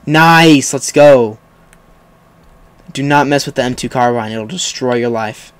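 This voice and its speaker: A young man hosting a gaming video with casual, excitable live commentary and chatty asides to viewers. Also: mid-range voice, fairly quick, no room sound. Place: indoors, voice-over on game footage.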